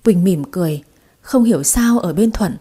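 A woman narrating a dramatic story in an even, measured way. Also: fairly low pitch, breathy edge.

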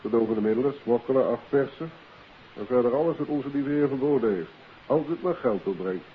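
A male actor plays a dryly genial police inspector in a vintage radio mystery. His mid-range male voice is matter-of-fact and unhurried in manner. The sound is muffled, with light hiss. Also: medium pitch, lively intonation, natural voice. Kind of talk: 1950s Dutch radio drama acting. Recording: hissy, muffled old radio recording.

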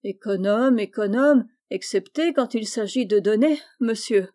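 A woman's voice: on the high side, unhurried, dark tone, natural voice. A woman reading the part of a thrifty, devout woman servant in a storybook, earnest and cautioning.

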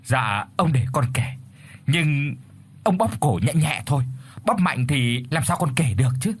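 Storybook duck, thin shrill whiny voice, pitched well up; a man puts it on. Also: expressive, a little slow, husky, full character voice. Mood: eager. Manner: pleading, whiny. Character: shrill frightened wild duck begging for its life.

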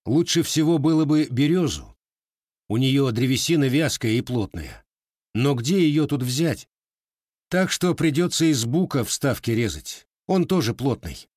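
Here the male narrator gives the proud, sharp-tongued young armorer an explaining tone, curt and dry but expressive, at a measured pace. The voice sits slightly above the narration's pitch, and the close, dry recording carries no room sound.

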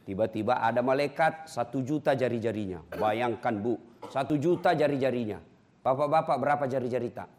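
A man's voice: medium pitch, a little fast. A middle-aged man, preaching a humorous sermon to a mosque gathering and teasing his listeners. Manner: joking, lively, teasing the audience.

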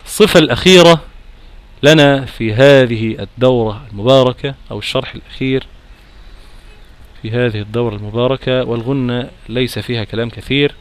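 A man with an Egyptian accent teaching a Quran recitation lesson, nasal and congested from a cold, lively and quizzing his class. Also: mid-range voice. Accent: Egyptian Arabic. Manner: lively, questions the class, chants recitation examples.

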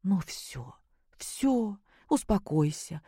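A woman reading aloud and voicing an anxious, caring older mother, speaking softly and soothingly. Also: deep voice, big pitch swings, moderate pace, no room sound, studio quality.

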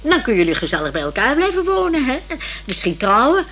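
High-voiced, wistful older lady. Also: very animated, quick pace, a bit bright, a little hiss or hum, exaggerated voice. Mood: wistful, romantic. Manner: hesitant, rambling, sighing over modern youth. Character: chatty old-fashioned older lady, romantic and wistful. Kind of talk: naturalistic radio play dialogue.

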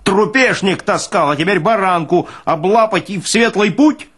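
A man's voice: sits high, moderate pace, fairly bright tone, husky, pitched above the performer's own voice. A man voicing a sullen, easily offended hearse driver in a literary reading, curt and aggrieved. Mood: shrill grievance.

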